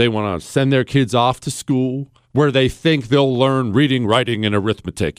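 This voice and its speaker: Recorded with a dry, close sound and no echo, a man with an American accent talks at a medium pitch and a moderate pace. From US West (Montana). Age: 40s. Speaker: political talk show host. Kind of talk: political talk commentary. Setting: studio. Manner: animated; sarcastic.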